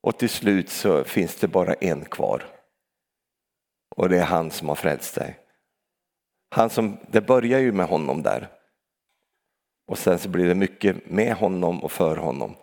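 An older man gives a chatty sermon in an animated, swinging voice that rises and falls a lot. He keeps tossing out little questioning tags for agreement and laughs easily. His voice carries a long reverb, as if from a church hall. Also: low-pitched, long pauses. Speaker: preacher. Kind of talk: conversational sermon.

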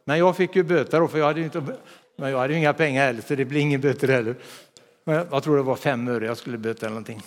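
A man preaching a sermon with fervor, often breaking into hallelujahs. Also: mid-range voice. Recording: long hall reverb.

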